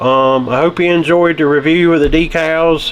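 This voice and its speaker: Noticeable background noise runs under this recording of a man. His pitch is high and his intonation fairly even. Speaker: scale modeling YouTuber. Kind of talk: casual product review. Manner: frequent filler words (um).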